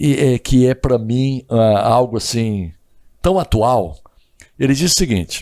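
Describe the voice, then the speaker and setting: Medium in pitch and dark and mellow in tone, a man speaks with lively intonation. His pace is very slow, with long, frequent pauses. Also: very even loudness. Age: 60s. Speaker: pastor. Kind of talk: casual chat.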